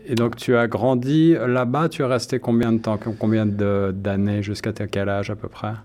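A man's voice: lowish voice, little pitch movement, normal speed, a little mellow. A man hosting a radio interview in a studio, friendly, with frequent hesitations and restarts. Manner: friendly, many fillers and restarts. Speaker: radio host.

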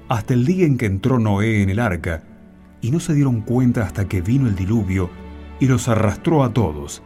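Male radio narrator, Rioplatense accent, low and animated, emphatic scripted read, music bed. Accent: Rioplatense Argentine. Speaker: narrator and announcer.

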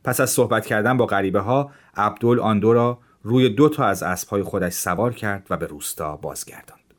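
A man narrating a story in a steady, measured way. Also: lowish voice. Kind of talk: audiobook narration.

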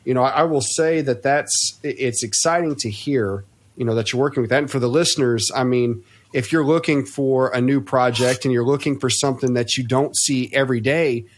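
A man's voice: medium pitch, brisk. A man hosting a casual podcast conversation who talks in an easygoing way, full of "you know". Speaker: podcast host and shop owner.

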